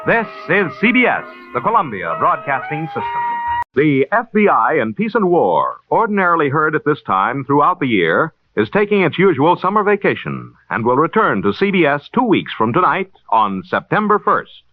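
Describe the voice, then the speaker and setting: A man's voice: a little high, huge pitch swings, dry recording, narrow, tinny audio. Formal old-time radio announcer, a man. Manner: measured and formal. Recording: thin old radio broadcast with music.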